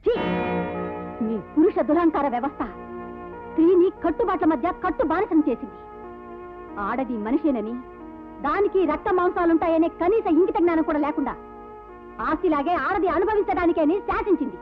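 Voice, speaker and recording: A woman's voice: extremely high pitch, expressive, normal speed, long pauses. An actress playing a fierce, defiant woman in a film drama, denouncing a man with fiery speech. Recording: dull old film soundtrack with loud music.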